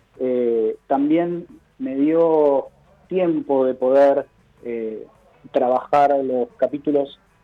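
A fairly high-pitched male voice over music in the background. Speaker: comic book author. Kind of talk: interview.

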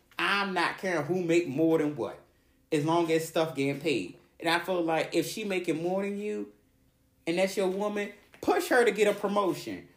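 A woman talks at a moderate pace with lively intonation and a fairly low pitch. Audible room echo surrounds her voice. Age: 30s. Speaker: podcast host. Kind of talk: casual chat.

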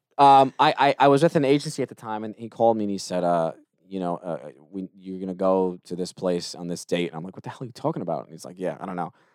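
A man with a New York accent and a very deep, low pitch talks at a very fast pace with lively intonation. The recording is very clean, with a silent background and a dry, close sound with no echo. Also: big swings in loudness. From Staten Island, New York. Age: 30s. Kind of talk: casual chat.

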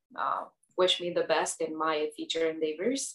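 A woman's fairly low voice with a Romanian accent. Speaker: hairstylist and educator. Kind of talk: interview storytelling.

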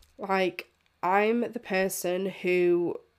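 A woman speaks with a British accent. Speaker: podcast host, mindset coach. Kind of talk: solo podcast monologue. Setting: home recording. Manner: rambling, filler words.

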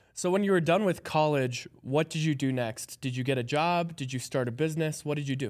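On a very clean recording with a silent background, a man with a fairly high pitch talks at a fairly quick pace with hardly any pauses and ordinary pitch variation, a plain, everyday voice. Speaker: podcast host. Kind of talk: casual interview. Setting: trade show, in person.

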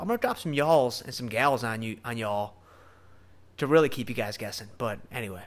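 A man with a slight Southern US accent sounds animated, with a bright, sharp tone and lively intonation, in a very clean recording with a silent background. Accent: slight Southern drawl. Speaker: podcast host. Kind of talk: casual monologue.

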